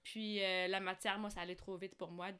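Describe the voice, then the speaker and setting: A woman's voice: medium pitch, flat delivery, normal speed, bright, forceful tone, clean tone. A woman from Algeria chatting casually as a podcast guest, telling personal stories. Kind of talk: casual conversational storytelling.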